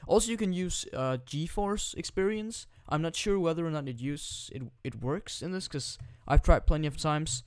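Rambling through a gaming tutorial on his new desktop mic, a teenage YouTuber from Denmark fakes a British accent and jokes crudely as he narrates his screen recording. His voice is a little high and clean, moving at a moderate pace with few pauses, in a dry, studio-quality recording.

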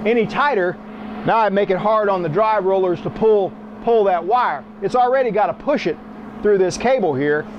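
A middle-aged welding instructor gives a hands-on tutorial in a small workshop, working the machine as he talks in a blunt, folksy way. His voice is high-pitched and moderately paced, and the lo-fi recording has a little hiss or hum.

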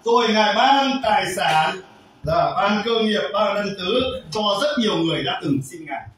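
High, lively male pastor in an echoey hall. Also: normal speed, recorded from a distance. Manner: animated, swings from quiet asides to loud emphatic cries. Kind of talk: sermon. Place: church hall.

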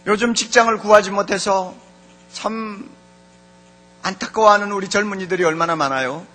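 A man's voice: high-pitched, normal speed, sharp tone. A man preaching a sermon as pastor, fervent, repeating key words and speaking straight to the congregation.

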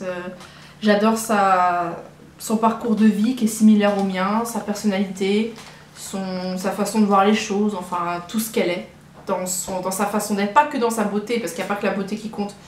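A woman's voice: medium pitch, darkish tone. A woman in her early twenties from Brittany, chatting casually to camera in a hesitant, rambling way. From Brittany, France. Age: early 20s. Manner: rambling, hesitant, repeats herself. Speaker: vlogger presenting herself. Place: small living room at home, indoors. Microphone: compact camera on tripod, about a metre away. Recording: echoey room, clear background noise.

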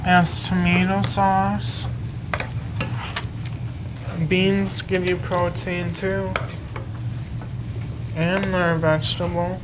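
Flat-voiced young man demonstrating cooking steps. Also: sits high, heavy background noise. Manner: plain, halting step-by-step explaining. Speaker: cooking show presenter. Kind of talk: kitchen demonstration. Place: TV studio kitchen set.

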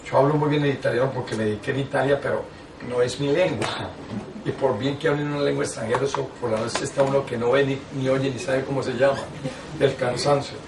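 Older priest telling stories animatedly. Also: male voice, medium pitch, quick pace, recorded from a distance, noisy background. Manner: animated storytelling with frequent asides and restarts. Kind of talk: teaching talk to a lay audience. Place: small indoor meeting room. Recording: echoey room, taken from afar.

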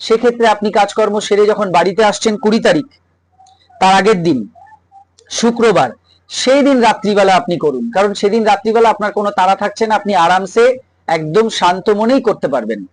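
A man's voice: high-pitched, expressive, fast talker, low-quality recording. A man with a Bengali accent, a reiki teacher, patiently explaining a home ritual and checking that listeners follow. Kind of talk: spiritual advice talk.

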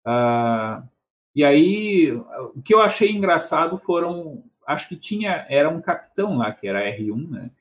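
On a headset during a casual video call, a southern Brazilian man in his fifties, there as a debate guest, talks in a sing-song voice on the high side at a slightly slow pace. His Porto Alegre accent colors his Brazilian Portuguese as he rambles, chuckles, and frequently ends with tag questions.

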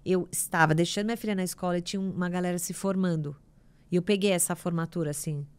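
Dramatic, expressive Brazilian woman guest. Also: fast, clear, resonant tone. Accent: Brazilian Portuguese. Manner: expressive and dramatic, jumps into high exclaimed bits. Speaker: podcast guest. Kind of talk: casual chat.

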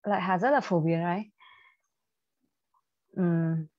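Slow-speaking Vietnamese-accented woman teacher. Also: lowish voice, no echo, dull audio. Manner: mixes Vietnamese and English, asks students questions. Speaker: IELTS teacher. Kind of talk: livestream English lesson.

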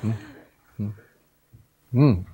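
A man's voice: fairly low pitch, very slow, husky, phone-quality sound. A man from the Gyeongsang region with its accent, giving a humorous Bible lecture and playfully asking the audience for replies. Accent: Gyeongsang Korean. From Gyeongsang region, Korea. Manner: animated, self-mocking, playfully asks the audience for replies.

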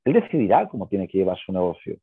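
Low, husky man on a tinny call. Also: big pitch swings, fast talker, no echo. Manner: explanatory, checks with tag questions. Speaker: guest, pet-business co-founder. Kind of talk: conversational interview explanation. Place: video call. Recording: muffled phone-like video-call audio.

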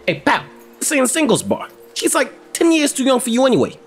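A woman's voice: sits high, wildly swooping pitch, a little fast, husky, faint music behind, heavily acted. A woman playing a brusque, scolding woman with a curt, snappy manner in an audio drama.

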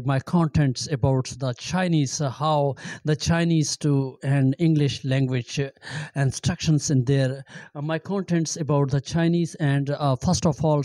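A middle-aged man giving an amateur language lesson, halting and repeating phrases with many fillers, speaking into a handheld microphone in a small room. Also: fairly high pitch, mellow, dry recording. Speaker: language teacher. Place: small indoor room with green backdrop.

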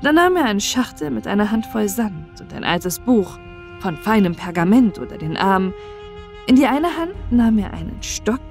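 A woman's voice: mid-range voice, a little mellow. Woman narrating a fairy tale over music. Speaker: audiobook narrator. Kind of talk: scripted fairy-tale narration, bedtime storybook. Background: music behind the voice.

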